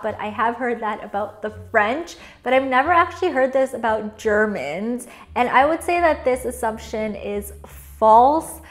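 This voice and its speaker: A young woman with a fairly high voice talks straight to the camera in a relaxed, chatty way. She laughs often and leans on fillers. She sounds like she's seated in a living room, a little way from the mic. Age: young adult. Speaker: vlogger living abroad. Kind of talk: casual talking-head vlog.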